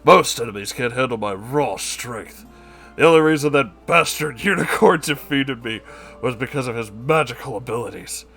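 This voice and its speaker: Man putting on a pompous, loud neckbeard blowhard. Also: medium pitch, expressive, normal speed, creaky, breathy edge, soft background music, heavily acted. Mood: boastful taunting. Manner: grandiose, theatrical declarations. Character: pompous, boastful, whiny male neckbeard anime fan. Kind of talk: dramatized comedic story reading.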